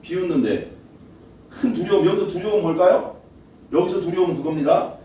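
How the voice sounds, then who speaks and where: A man gives a sermon, speaking casually and asking his congregation questions as he goes. His voice sits fairly high for a man yet sounds mellow. The mic picks him up from a distance in a very echoey church hall, with faint noise behind him. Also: brisk. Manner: conversational preaching, asks the congregation questions. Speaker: pastor.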